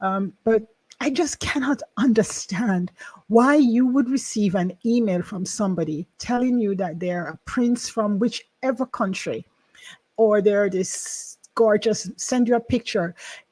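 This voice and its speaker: Somewhat breathy and dark, mellow in tone, a woman speaks at a fairly slow pace with ordinary pitch variation in a dry, close sound with no echo. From Jamaica. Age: 50s. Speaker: talk show host. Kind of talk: casual talk to audience. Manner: repetitive stammering.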